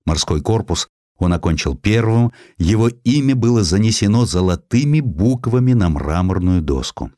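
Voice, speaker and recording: A man reading a historical essay as an audiobook narrator, in a measured, expressive storytelling manner. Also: on the low side, no room sound, clean studio sound.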